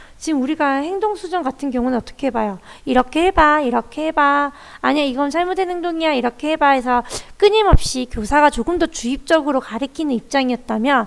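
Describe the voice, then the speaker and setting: Speaking at a fairly quick pace, a woman uses a high pitch with ordinary variation. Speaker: university lecturer. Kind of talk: recorded lecture.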